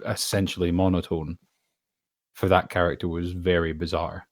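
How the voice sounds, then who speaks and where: Deep voiced guy chatting on a podcast, earnest, emphatic, really dry audio. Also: little pitch movement, moderate pace, no echo. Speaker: voice actor. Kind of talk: casual podcast discussion.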